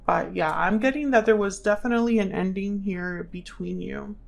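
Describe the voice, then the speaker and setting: A tarot reader and channel host gives a casual reading for viewers, musing aloud as she explains and calls on spirit guides. Her mid-range voice is gravelly and moves at normal speed.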